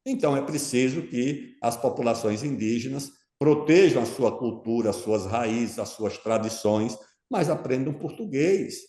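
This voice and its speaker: A man's voice: medium pitch, a little mellow. A man answering as an interview guest, explaining his views at length and emphatically, often checking in with his listener. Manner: emphatic, keeps checking in with "tá certo?". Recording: roomy echo.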